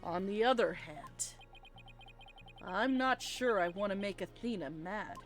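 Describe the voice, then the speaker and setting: A woman's voice: mid-range voice, expressive, unhurried. A woman playing through a video game, reading the characters' dialogue aloud in a theatrical, playful way. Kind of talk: gaming playthrough with dramatic read-aloud of characters. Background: video game music.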